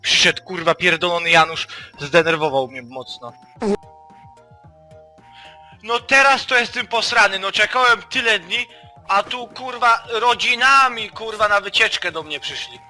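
A man giving panicked gameplay commentary, swearing constantly and breaking into yelps and shouts. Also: high voice, lively intonation, moderate pace, soft background music. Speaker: gamer.

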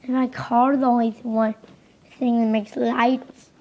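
A young woman casually commenting on a game she is playing, a little hoarse from being sick, rambling and easily distracted. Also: a little high, flat delivery, unhurried. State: losing voice, sick. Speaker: gameplay commentator. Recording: slightly dull lo-fi home recording.

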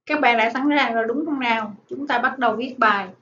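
High-voiced woman teacher dictating, echoey room. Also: a bit bright. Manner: dictating, deliberate, enunciating word by word. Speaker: primary school teacher. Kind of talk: slow dictation-style lesson for children. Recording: echoey room, dull sound, faint noise.

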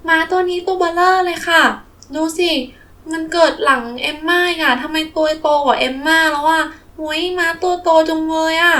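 A woman plays a sweet little girl in a toy play, with a very high voice. She is eager and polite, and exclaims excitedly. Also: moderate pace. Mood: delighted. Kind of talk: children's toy play storytelling.

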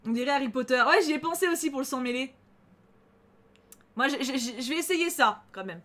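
A young woman narrating her own game playthrough in lively, chatty commentary. Her voice sits high, and she swings readily into excited squeals and groans. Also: a little fast. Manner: excitable, chatty, emotional reactions. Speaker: gaming channel host. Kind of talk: let's play commentary.

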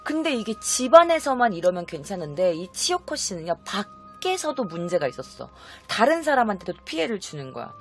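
Woman telling a story, animated pitch, chatty, dramatic, mid-pitched voice. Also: fairly quick, hardly any pauses, soft background music. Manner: chatty, dramatic, asks the listener questions. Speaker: storytelling host. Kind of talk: casual storytelling vlog.

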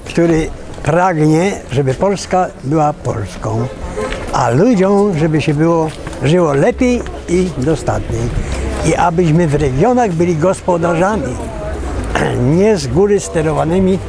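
A middle-aged man in a street interview, speaking slowly and earnestly, searching for words. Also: a little high, expressive, a crowd in the background. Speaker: local resident interviewed. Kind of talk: street vox pop. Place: outdoors on a street.

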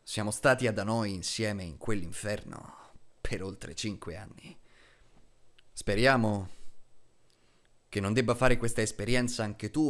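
A man playing a solemn middle-aged military officer in a film dub, speaking to a child in a measured, deliberate way with dramatic pauses. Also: fairly low pitch, natural voice. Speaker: voice actor dubbing a film character.

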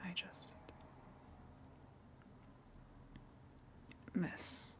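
A woman voicing a lonely, gentle tentacled sea monster in a breathy whispered ASMR roleplay, hesitant and earnest as she speaks. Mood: wistful, lonely. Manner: hesitant, confessional, halting, earnest.

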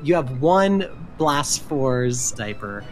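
A woman's voice: a bass voice, expressive, slow, rough recording. A woman narrating a tabletop game as its game master. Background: faint music.

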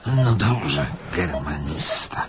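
An actor playing an anxious, self-pitying German jeweller in a radio play, fretful and rambling. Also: male voice, low voice, sing-song, very slow, background noise, exaggerated voice. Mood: fearful, rambling. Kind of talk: theatrical radio play acting.

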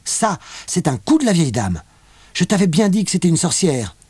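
A man's voice: high-pitched, sing-song, normal speed, darkish tone, breathy edge, no echo, voice pushed up, exaggerated voice. A man voicing a cheeky, pragmatic young boy in a children's audiobook.

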